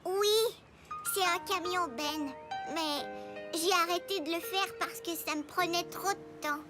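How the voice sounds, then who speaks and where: An eager preschool boy in a children's cartoon. The voice is very high and takes its time, full of simple, inquisitive phrasing. Music plays clearly behind it. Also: measured pace. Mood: earnest. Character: curious, eager little boy, preschool age.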